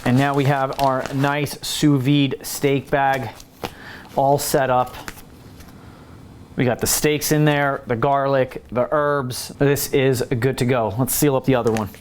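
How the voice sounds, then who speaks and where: A man's voice: mid-range voice, flat delivery, takes it slowly, noisy background. A man hosting a home cooking tutorial, chatting casually and explaining each step as he works in his kitchen. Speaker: home cooking channel host.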